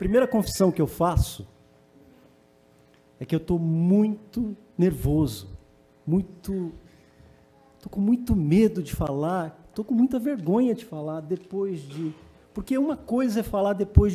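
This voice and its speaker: Speaking with an interior Paraná accent, a man uses a high pitch and lively intonation at a fairly slow pace, with long, frequent pauses. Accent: Londrina interior Paraná. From Brazil, interior of Paraná (Londrina). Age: 40s. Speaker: newspaper columnist. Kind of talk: panel talk. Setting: stage with audience at city council hall.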